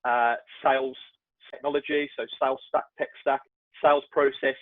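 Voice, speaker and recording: A man's voice: mid-range voice, little pitch movement, moderate pace, dry recording. Black Country man on a tinny line. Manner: chatty and self-deprecating, with many restarts. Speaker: podcast guest. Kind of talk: casual podcast chat. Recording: tinny, dry phone-like line.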